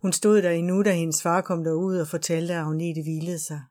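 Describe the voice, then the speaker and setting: A woman reading a novel aloud as an audiobook narrator, calm and even. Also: lowish voice. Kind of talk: scripted narration.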